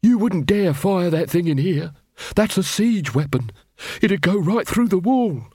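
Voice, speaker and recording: Man as a flustered, high-pitched fat armourer. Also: animated, unhurried, mellow, husky, dry recording, clean studio sound, exaggerated voice. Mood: nervous defiance. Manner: hesitant, grudging, defensive.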